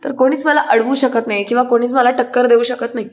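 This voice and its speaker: A woman's voice: fairly high pitch, steady tone, natural voice. A woman voicing a boastful, playful young husband who insists and teases, in a retold story. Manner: teasing, insistent, quick repeated pleas. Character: boastful playful young husband, pleased with his own jokes.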